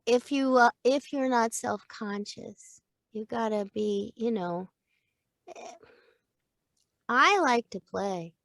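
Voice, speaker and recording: A middle-aged woman voice actor, a guest on a podcast, chatting casually in a playful, expressive way, laughing often and restarting her thoughts as she goes. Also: fairly high pitch, takes it slowly, gravelly, long pauses, dry recording. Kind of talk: casual interview chat.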